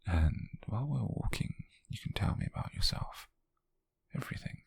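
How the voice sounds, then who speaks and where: A British man playing a possessive, softly menacing rich captor in an intimate ASMR roleplay, murmuring in a breathy, husky voice with slow, coaxing deliberation. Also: on the low side, lively intonation, no room sound, heavily acted. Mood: possessive, tender menace. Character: possessive, softly menacing wealthy male captor, obsessive and doting. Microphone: close microphone, dry.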